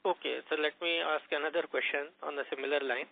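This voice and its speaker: A man's voice: on the high side, fairly even intonation, quick pace, creaky, dry recording. A man with an Indian accent, a financial analyst calling in to ask probing questions in a hesitant way. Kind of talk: asking questions on an earnings call. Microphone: phone. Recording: narrowband phone line.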